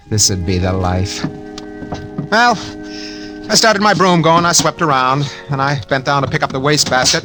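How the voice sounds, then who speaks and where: An actor playing a scheming small-time office porter in an old radio drama, raving when drugged and sly when narrating. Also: male voice, medium pitch. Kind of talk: 1940s radio acting.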